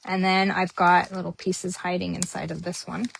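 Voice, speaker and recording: A woman's voice: lowish voice, level tone, moderate pace, vocal fry, a little hiss or hum. A woman hosting a casual papercrafting tutorial, chatting with many ums as she works on her project. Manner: chatty, many ums, talks while working. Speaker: papercrafting host.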